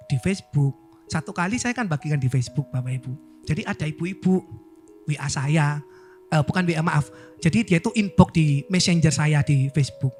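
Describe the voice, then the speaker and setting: A man preaches a relaxed evening prayer sermon and keeps turning to the congregation in a chatty, familiar way. His voice sits a little high for a man. Soft instrumental music plays faintly behind him. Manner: chatty, addresses the congregation directly, mixes in Javanese phrases.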